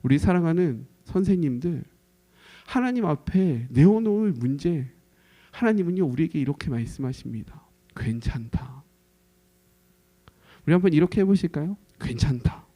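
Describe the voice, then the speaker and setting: A man in his thirties, a pastor, preaching an emphatic sermon to church teachers and dropping to a hushed whisper to stress his points. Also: fairly high pitch, animated, a little fast.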